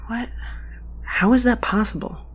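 A woman playing an anxious, stubborn, sharp-tongued space courier in an audio drama, talking in a halting, wry, conversational way. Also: a little high, breathy edge. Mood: stunned, weary. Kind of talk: audio drama acting with confiding narration.

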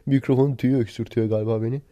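A man hosts a casual solo podcast while sick and worn out. His hoarse voice is mellow and dark, with little melodic movement. He is recorded close and dry, talking informally to his listeners. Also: mid-range voice, steady tone, racing, no echo. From Turkey. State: sick and tired, lost voice. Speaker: podcast host. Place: in bed at home. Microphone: handheld voice recorder, close.

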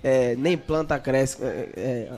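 A man's voice: mid-range voice, extremely slow, darkish tone, soft background music. A young man from Bahia with a Bahian accent, a songwriter chatting and joking in an interview, often stammering on repeated words. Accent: Bahian Brazilian Portuguese. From Bahia, Brazil. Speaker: songwriter guest. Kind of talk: casual interview chat.

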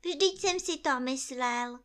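A woman voicing a naive, greedy bear cub with a high, squeaky, plaintive voice in a storybook reading. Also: fairly bright tone. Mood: eager.

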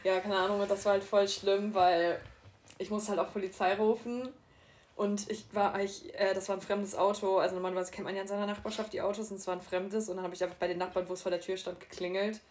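A young woman co-hosting a podcast, animated and often laughing as she tells a story in casual chat. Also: mid-range voice. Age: young adult. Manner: animated, laughing, quick bursts. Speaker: podcast co-host.

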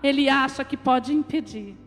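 Impassioned high-voiced Brazilian woman preacher. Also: moderate pace, long reverb tail, faint music behind. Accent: Brazilian Portuguese. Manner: impassioned, shouting, breaks into speaking in tongues. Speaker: deaconess preacher. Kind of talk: Pentecostal sermon. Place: church hall.

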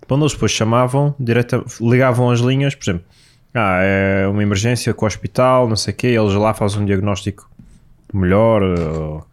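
A man's voice: lowish voice, steady tone, fairly quick. A young man chatting on a podcast, easygoing and thinking aloud. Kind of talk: casual chat.

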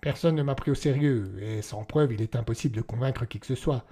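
A man's voice: mid-range voice, a little fast, dark tone, natural voice. A man voicing a haunted young suspect who speaks in a tense, hesitant, pleading way. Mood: guarded. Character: haunted young man, evasive wolf witness.

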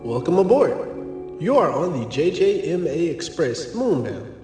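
A man playing an onboard train announcer, making formal, slow announcements. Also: on the high side, very animated, music in the background. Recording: echoey, distant hall sound.

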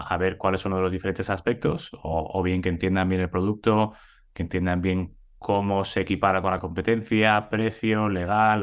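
A man with a Madrid accent, answering interview questions in a measured way with many hesitations. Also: low voice. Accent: Madrid Spanish. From Madrid, Spain. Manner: measured, thoughtful, many hesitations and repeated words. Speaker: guest, head of sales.

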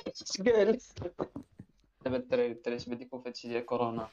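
Very rapid-talking man, Moroccan Arabic accent. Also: medium pitch, very animated, dark tone, lo-fi sound, slight background noise. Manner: repeats phrases insistently. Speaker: podcast co-host. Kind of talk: casual banter.

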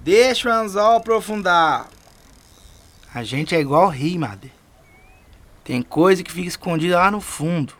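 A man's voice: high-pitched, a little slow, pauses often, exaggerated voice. A man acting in a radio drama as a teasing, patient Brazilian riverman who talks colloquially, like a homespun philosopher. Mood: folksy, wise. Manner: colloquial, playful, animated.

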